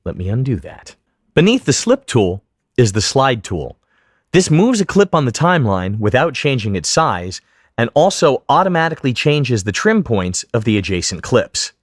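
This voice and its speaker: Lively-pitched man narrating a software tutorial. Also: normal speed, no echo, studio quality. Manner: clear, methodical, step-by-step explanation. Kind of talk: scripted instructional narration over screen demo.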